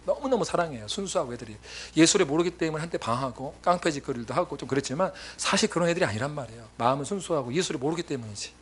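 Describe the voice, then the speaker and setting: A man preaching a sermon as a missionary, telling stories in a lively way and acting out his friends' voices. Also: on the high side, racing, hardly any pauses. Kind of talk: sermon with storytelling. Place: church sanctuary.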